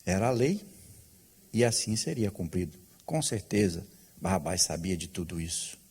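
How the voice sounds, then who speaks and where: A man's voice: deep voice, moderate pace, a little mellow, breathy edge. A male pastor preaching a sermon, telling a story with rhetorical questions to the congregation.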